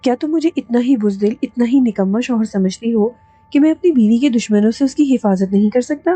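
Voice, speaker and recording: A woman's voice: on the high side, dark tone, slightly rough, no echo, soft background music. A woman voicing a protective, hot-tempered young husband who speaks firmly and insistently. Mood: stern. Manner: firm and insistent.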